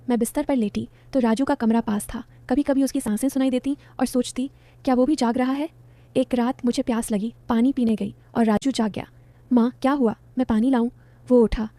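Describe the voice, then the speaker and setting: A woman's voice: a little high, dark tone, no room sound. A woman narrating a story in the first person, in a confiding, dramatic way.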